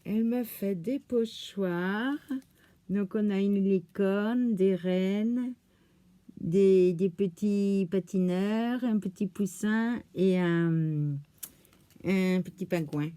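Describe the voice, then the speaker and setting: A woman hosting a craft channel, gushing with oohs and exclamations as she slowly unpacks crafts in casual chat. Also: mid-range voice, dark tone, clear, resonant tone, no echo. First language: French. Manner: slow, thinking aloud as she unpacks.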